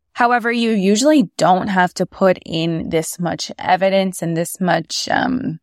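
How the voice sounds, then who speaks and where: A woman's voice: mid-range voice, no echo, clean studio sound. A woman hosting a podcast, giving conversational legal commentary in a blunt way. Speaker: podcast host.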